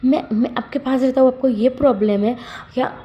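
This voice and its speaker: A woman's voice: high voice, fairly even intonation, fairly quick, lo-fi sound, close to an everyday voice. A woman voicing a hurt young man who stammers and pleads through tears. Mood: upset.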